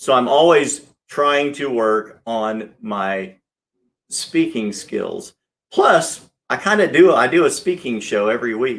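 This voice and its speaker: With an American accent, a man talks at a very slow pace, his pitch fairly high and his intonation lively. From Oregon coast, US. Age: 50s. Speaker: motivational show host and realtor. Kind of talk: motivational talk. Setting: live stream. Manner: casual, with hesitations.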